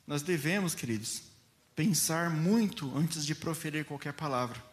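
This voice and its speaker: A man preaching a sermon as a pastor, speaking mildly and deliberately, often calling his congregation "dear ones". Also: on the high side. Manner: slow, gentle delivery addressing listeners as "queridos".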